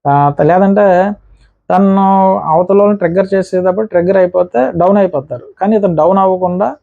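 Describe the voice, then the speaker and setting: A man recapping a reality show episode in a casual, rapid way, acting out what the contestants said. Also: high-pitched, fairly even intonation, no echo, narrow, tinny audio.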